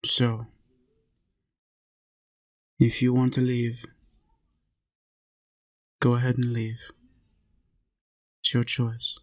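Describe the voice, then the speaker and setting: A man playing a lonely, tender, centuries-old vampire in an intimate roleplay audio, confiding softly and earnestly. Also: mid-range voice, monotone, drawn-out words, pauses often.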